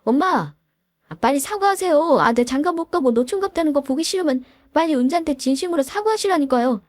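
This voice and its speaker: A woman voicing a greedy, whiny young man from a storybook, lower and huffier than her narrating voice. He pushes and complains over a dry, close mic. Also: animated, a little fast, darkish tone, dry recording. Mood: urging. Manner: pushy, complaining. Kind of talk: storybook voice acting.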